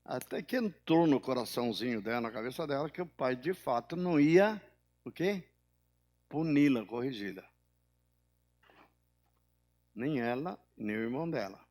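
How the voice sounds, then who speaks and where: An older man, a pastor, preaching a sermon, rising suddenly in pitch and volume, then dropping low, and acting out the people in his stories in a higher voice. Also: animated, normal speed, long pauses, darkish tone.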